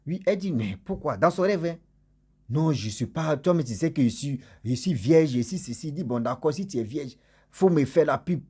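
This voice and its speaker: A man's voice: normal speed, breathy edge. A man telling a mystical story casually, acting out the characters' dialogue. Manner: animated, acts out dialogue with raised pitch.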